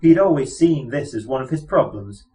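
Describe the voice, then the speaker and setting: A man's voice: mid-range voice, expressive, brisk, dark tone. A man reading a novel aloud as scripted storybook narration. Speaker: audiobook narrator.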